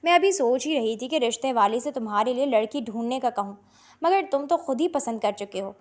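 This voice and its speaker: A woman voicing a kind, cheerful middle-aged mother who teases gently in an audio story. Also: fairly high pitch, animated, lightly acted. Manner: smiling, teasing.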